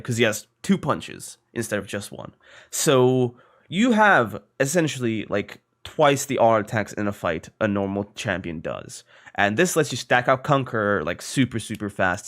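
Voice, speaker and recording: This gaming content creator is a young man with a fairly bright, low-leaning voice who seems a bit sick. He walks through a game strategy casually in a guide, sprinkling in fillers and frequent "right?".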